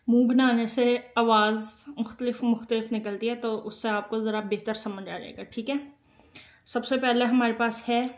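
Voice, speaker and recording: Woman, language teacher, slow and patient, repeats sounds, explains while writing. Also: fairly high pitch. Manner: patient, repeats each sound several times. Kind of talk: spoken lesson.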